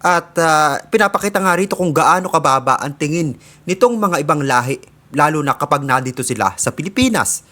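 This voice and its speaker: A man from the Philippines delivers opinion commentary in a measured, deliberate way. His voice sits a little high, and he often pauses on filler sounds between thoughts. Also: animated, sharp tone. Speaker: commentary host.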